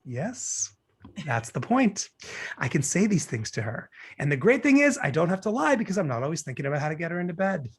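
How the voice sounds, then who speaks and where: Casting: man playing neurotic, defensive wisecracker, gravelly voice, lively swings in pitch, table-read comedy. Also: fairly quick, full character voice. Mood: earnest, defensive. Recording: remote video-call table read.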